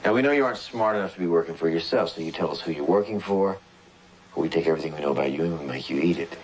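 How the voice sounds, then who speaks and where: A man's voice: low voice, rapid-fire, slight background noise, close to an everyday voice, poor audio. An American man playing a wry, impatient police detective in a TV crime drama, with dry sarcasm. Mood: sarcastic, pressing.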